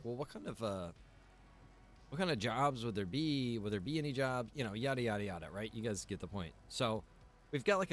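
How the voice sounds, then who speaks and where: Casual male streamer, rambling and halting. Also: medium pitch. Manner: rambling, halting, with repeated informal asides. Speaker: livestream host. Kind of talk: casual chat to stream viewers.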